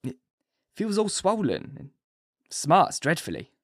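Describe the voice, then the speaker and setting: A man's voice: fairly high pitch, huge pitch swings, slow, husky, no room sound, studio quality, voice pushed up, heavily acted. A man voicing a dying male asylum patient who talks in urgent, strained pleading. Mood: feverish.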